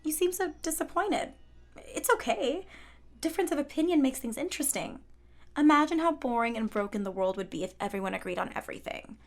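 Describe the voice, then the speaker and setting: A woman playing a calm, principled townswoman who speaks in a measured, articulate way in an audio drama. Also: high-pitched. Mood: gently conciliatory. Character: calm, principled female cryptid townsperson, gently persuasive. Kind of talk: naturalistic audio drama dialogue.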